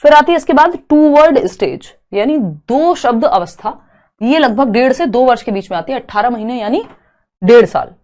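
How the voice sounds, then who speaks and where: Higher-pitched woman teaching an online class. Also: animated, a little mellow. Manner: explains step by step, repeating key terms slowly. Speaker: online exam-prep teacher. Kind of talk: live online class lecture.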